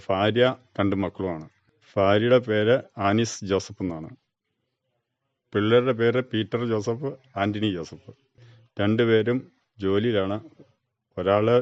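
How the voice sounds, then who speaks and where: A man's voice: fairly low pitch, a little mellow, clear, resonant tone, no echo. A man, giving plain, brief, factual answers in an interview as a retired farmer. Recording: dull, muffled radio recording.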